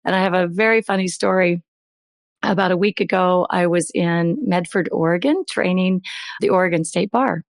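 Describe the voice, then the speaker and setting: A middle-aged woman hosting a podcast with a hoarse voice that is still recovering, chatting in an upbeat way. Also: on the low side, moderate pace, no room sound, clean studio sound. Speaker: podcast host. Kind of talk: podcast intro, casual chat.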